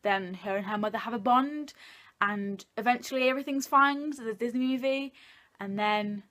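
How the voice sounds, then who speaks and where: A woman's voice: fairly high pitch, normal speed, fairly bright tone. A young woman talking casually and informally to her viewers like a video blogger, jokey and opinionated. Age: young adult. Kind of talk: casual chatty countdown review to camera.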